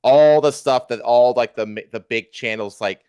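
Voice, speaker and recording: A man's voice: medium pitch, normal speed, mellow, smooth, no echo, studio quality. A man hosting a livestream, ranting casually with emphatic, repetitive, profane talk. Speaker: livestream host.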